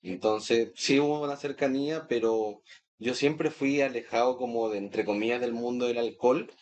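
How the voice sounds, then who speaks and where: A man's voice: mid-range voice, normal speed, a little mellow. A Chilean man in his thirties talking casually as a guest sommelier in an interview. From Chile, grew up in Santiago. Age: 30s.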